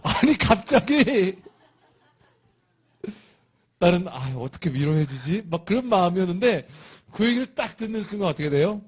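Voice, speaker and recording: A middle-aged man, a pastor, preaching a sermon and telling a family story with sudden loud, emphatic rises. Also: high voice, expressive, fast, hardly any pauses, husky.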